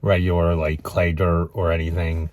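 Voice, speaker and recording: Low-voiced man, relaxed landscaper chat. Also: moderate pace, no room sound. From Western North Carolina. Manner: relaxed, offhand advice with fillers. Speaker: landscaping business owner, vlog co-host. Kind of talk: casual end-of-day chat to viewers.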